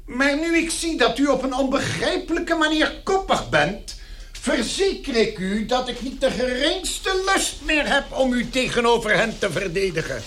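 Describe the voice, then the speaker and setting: A man's voice: extremely high pitch, lively intonation, moderate pace, a bit bright, a little hiss or hum. A man playing a pompous, impatient chief clerk in a radio drama, formal, stern and long-winded. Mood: stern reproach.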